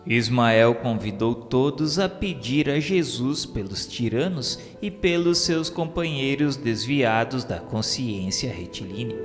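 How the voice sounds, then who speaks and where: A man with a Brazilian accent reads a scripted religious radio novela as narrator, in a solemn, formal manner. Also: medium pitch. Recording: long hall reverb under music. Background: music.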